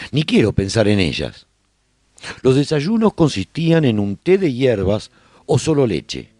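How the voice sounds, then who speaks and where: A man playing a nostalgic survivor who chronicles colony life in a radio serial, with measured, expressive storytelling. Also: mid-range voice, no room sound. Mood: nostalgic, reflective. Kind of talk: scripted first-person radio drama narration.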